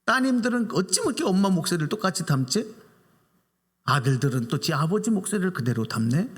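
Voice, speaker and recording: A man's voice: high voice, lively intonation, brisk, husky. A male pastor giving a Sunday sermon in a church sanctuary, preaching with animation and putting questions to the congregation. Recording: reverberant church hall.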